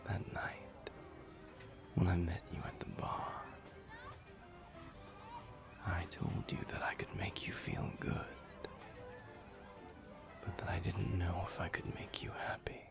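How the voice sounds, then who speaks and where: A man playing an urbane, old-souled vampire lover in an intimate audio roleplay, wry and tender, speaking in languid, formal phrases with a breathy murmur. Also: little pitch movement, unhurried, long pauses, whispered, over music. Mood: tender, seductive. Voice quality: breathy, low, creaky.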